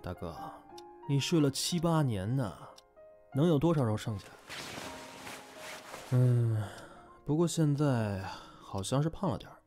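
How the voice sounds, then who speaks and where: A man plays a laid-back young tease in an audio drama. The voice is mid-pitched and lively, sardonic in its banter, over faint music. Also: unhurried, pauses often, lightly acted. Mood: teasing. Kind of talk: fan audio drama acting.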